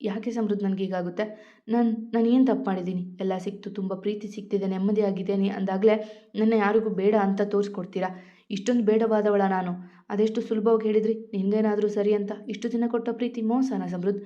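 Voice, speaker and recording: A woman's voice: medium pitch, fairly even intonation, quick pace, dark tone, close to an everyday voice. A woman voicing a hurt, tearful young pregnant wife, pleading as she reads. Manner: pleading, emotional storytelling reading. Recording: dull lo-fi audio.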